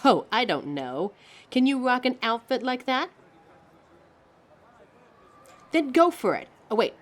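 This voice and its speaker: A woman's voice: on the high side, very animated, normal speed. A woman voicing a living fashion mannequin in a scripted audio roleplay, haughty yet encouraging, with a dramatic, articulate delivery aimed straight at the listener. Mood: excited, approving. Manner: theatrical, dramatic, articulate, addresses listener as darling.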